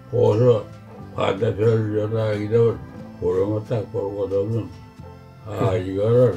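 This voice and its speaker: With clear music in the background, a man speaks very slowly at a fairly low pitch, with fairly even intonation and long, frequent pauses. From North Korea. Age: 80s+. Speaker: Korean War witness, former railway station worker. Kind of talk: oral history interview answer. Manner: halting, hesitant. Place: home room. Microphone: phone near.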